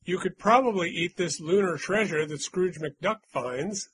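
A man running a podcast quiz show, reading out clues with a teasing, playful delivery and little humming jingles. His voice sits a touch high and has a husky edge. The sound is close and dry. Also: measured pace, a bit bright, no room sound. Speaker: quiz host.

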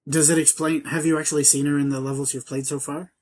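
A man's voice: on the high side, little pitch movement, a little mellow, slight background noise. A man co-hosting a podcast, chatting casually about a video game with hesitant restarts. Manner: hesitant, many restarts, measured. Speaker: podcast co-host.

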